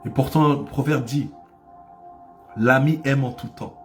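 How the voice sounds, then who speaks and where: Pastor guy preaching hard, mid-pitched voice, repeats lines, quiet music under it. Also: steady tone, a little slow. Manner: impassioned preaching, rising to cries; repeats phrases for emphasis. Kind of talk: sermon.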